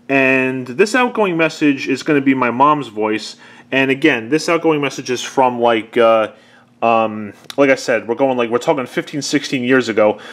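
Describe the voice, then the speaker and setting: A man talking casually and unscripted, explaining a product step by step in a conversational way. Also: mid-range voice. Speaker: presenter demonstrating an old answering machine.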